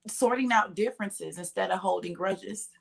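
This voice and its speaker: A woman's voice: mid-range voice, moderate pace, gravelly, breathy edge. A woman speaking as a talk show guest, thoughtful and earnest. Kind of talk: casual interview chat.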